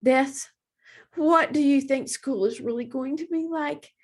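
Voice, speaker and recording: A woman's voice: high-pitched, unhurried, voice pushed up. A woman voicing a young girl hippo in a storybook, fretful and dramatic about everything. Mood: anxious. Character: anxious young girl hippo dreading preschool.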